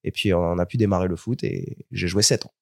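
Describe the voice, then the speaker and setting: A man's voice: deep voice, a little fast, dry recording. Talkative young French man, dry sound. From France. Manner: animated storyteller, repeats words as he restarts. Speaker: guest. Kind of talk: casual interview chat.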